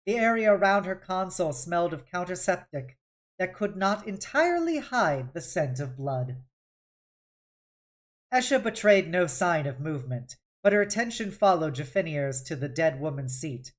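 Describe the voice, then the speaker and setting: A woman reading a novel aloud on a stream, in a dramatic, expressive audiobook style. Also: lowish voice, moderate pace. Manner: dramatic, with occasional stumbles and self-corrections. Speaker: streamer hosting a read-along.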